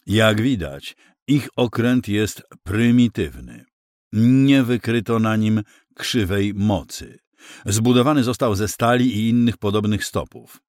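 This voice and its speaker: A man's voice: on the low side, slow, a little mellow, no room sound, clean studio sound. A man voicing a weary, gloomy fleet admiral who answers in a heavy, subdued, matter-of-fact way. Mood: grim, explaining.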